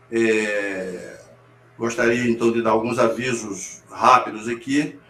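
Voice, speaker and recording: Amid noticeable background noise and audible room echo, a man of medium pitch talks at a very slow pace with fairly even intonation. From Ceará, Brazil. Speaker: event host and moderator. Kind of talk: live online talk introduction. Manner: halting, many fillers and repeats.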